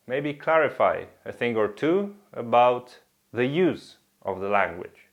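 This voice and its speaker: A man whose first language is Romanian, presenting a scripted language lesson in English, upbeat and teasing, laying out the steps one by one. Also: mid-range voice. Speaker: language teacher.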